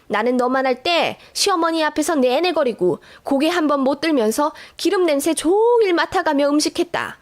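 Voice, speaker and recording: A woman doing a shrill scolding mother-in-law. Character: sharp-tongued older mother-in-law, scolding.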